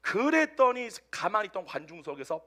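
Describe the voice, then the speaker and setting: Bright, lively-voiced male pastor preaching. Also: high-pitched, fairly quick. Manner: animated storytelling, swinging between loud outbursts and hushed asides. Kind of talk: Sunday sermon. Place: church service with a congregation answering amen.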